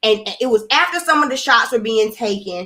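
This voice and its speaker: The voice is bright and sharp with an animated tone, moving at a moderate pace with ordinary pitch variation. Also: woman. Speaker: YouTube live show host. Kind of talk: casual livestream chat. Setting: live video stream.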